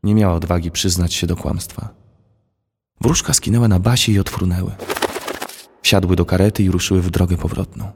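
A man narrating a children's storybook in a measured, expressive reading. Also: deep voice, noisy background. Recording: long hall reverb.

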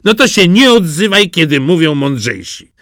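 A man's voice: on the high side, very animated, moderate pace, a bit bright, no room sound, studio quality, voice pushed up. A man voicing a smug male house cat in a storybook, talking down in a condescending way.

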